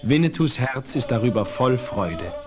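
A man's voice: mid-range voice, animated, normal speed, natural voice. A man playing a noble, fair-minded Native American chief in a western radio play, solemn, ceremonial and commanding.

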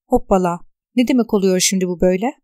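A woman's voice: mid-range voice, fast, no room sound, studio quality, close to an everyday voice. Woman voicing an exasperated, distraught character. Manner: loud, exasperated outbursts. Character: shaken, indignant person alone at home.

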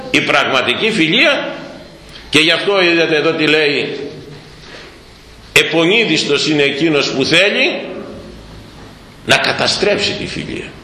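A man's voice: a little high, pauses often, echoey room, in a large hall, rough recording. A man preaching a sermon, asking his listeners rhetorical questions and acting out everyday dialogue. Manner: animated, rhetorical questions, acts out imagined dialogue.

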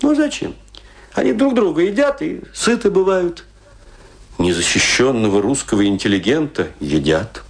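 A middle-aged, tipsy Russian intellectual in a radio play. His delivery swings widely in pitch as he moves from confiding to declamation. He is rueful and self-mocking, and he leaves dramatic pauses. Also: expressive. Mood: mournful, ironic. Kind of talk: theatrical dramatic monologue.

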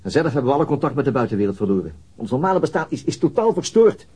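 An actor playing a weary, worried police detective in a radio drama, with a husky voice and a brooding, measured manner. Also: male voice, medium pitch, big pitch swings, a little mellow. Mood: weary, frustrated.

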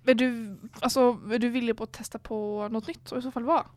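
A young woman, co-hosting a casual podcast and asking teasing, soft-spoken questions. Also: on the high side, steady tone, no room sound. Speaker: podcast co-host. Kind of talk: casual chat.

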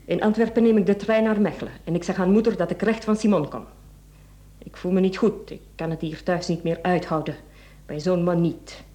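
An actress with a Flemish accent playing a cold, domineering, calculating wife in a radio play, commanding and clipped. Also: female voice, lowish voice, steady tone, fairly quick, warm tone, close to an everyday voice. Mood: cold, scheming. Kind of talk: Dutch-language radio play acting.

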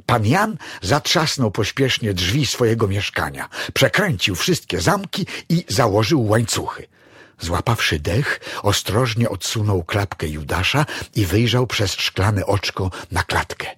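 A man reading a story aloud in a dramatic, expressive style. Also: on the low side, unhurried, husky, no echo, studio quality. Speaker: narrator. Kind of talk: audiobook story narration.

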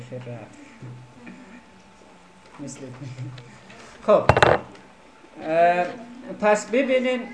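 A man teaching Quran recitation, patiently questioning and correcting his students. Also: high voice. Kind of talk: classroom teaching. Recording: echoey room with crowd noise.

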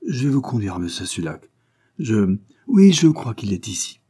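A man's voice: lowish voice, big pitch swings, moderate pace, dark tone, breathy edge, pitched above the performer's own voice. A man putting on a jumpy, sly jeweler. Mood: nervous. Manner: hesitant, evasive pleading. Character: fat, shifty male jeweler, nervous and sly.

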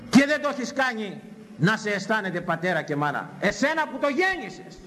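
A man's voice: high voice, very animated, sharp tone. An older man, a priest, giving a sermon on scripture, emphatic and repeating phrases for effect.

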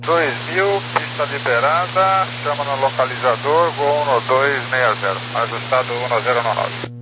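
A man's voice: mid-range voice, moderate pace. A man working as a pilot, giving brief procedural readbacks over crackly, military-style radio. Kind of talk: aviation radio communication. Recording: very noisy crackly radio, loud hum.

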